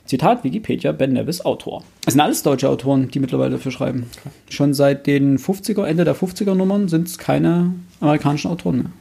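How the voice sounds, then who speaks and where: Husky, mellow young man hosting. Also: on the high side, fast. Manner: hesitant, self-correcting, thinking aloud. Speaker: podcast host. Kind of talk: casual book discussion.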